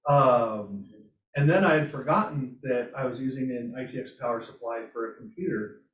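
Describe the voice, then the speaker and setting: A man's voice: medium pitch, normal speed. A man presents informally in a roomy space, picked up from away and slightly muffled. He tells his story in an anecdotal way, voicing his own reactions as he goes. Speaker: presenter at a robotics club meetup. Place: meeting room at a hybrid club meetup. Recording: echoey room, distant mic, muffled sound.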